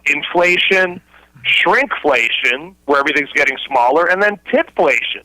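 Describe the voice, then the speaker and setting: A man's voice: a little high, pushed and bright, no room sound, poor audio. A man giving a casual radio interview as a business expert, explaining emphatically in colloquial, joking language. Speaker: interview guest, franchise consultant and author.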